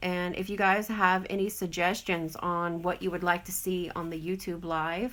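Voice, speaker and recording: A woman speaks with a Texan accent at a medium pitch and a fairly slow pace. The recording is very clean, with a silent background. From Texas, Houston area. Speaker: papercraft demonstrator. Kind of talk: live-stream crafting tutorial with chat. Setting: live stream at home. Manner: casual, with frequent fillers.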